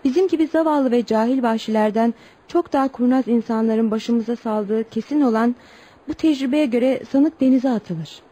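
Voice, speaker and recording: A woman's voice: a little high, moderate pace, mellow, close to an everyday voice. An actress playing an earnest young tribal woman who tells her story politely but with indignation in a Turkish radio play. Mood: grave, bitter. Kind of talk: Turkish radio theatre acting.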